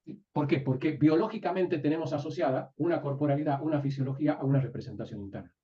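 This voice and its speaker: A man teaching a live class, often pausing to ask his students whether they follow. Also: fairly high pitch. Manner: asks the class frequent checking questions. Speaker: NLP teacher. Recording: distant, dull lo-fi room recording.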